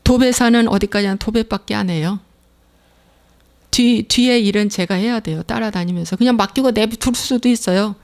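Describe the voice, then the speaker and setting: A middle-aged woman pastor delivers a sermon in a medium-pitched, darkish voice at a moderate pace. She is emphatic, repeats her phrases, and acts out inner voices.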